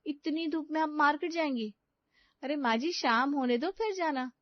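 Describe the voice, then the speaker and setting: A woman's voice: sits high, normal speed, no room sound, voice pushed up, lightly acted. A woman voicing a young, frustrated daughter-in-law who pleads and complains in a raised voice, in a dry, dull recording. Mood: complaining.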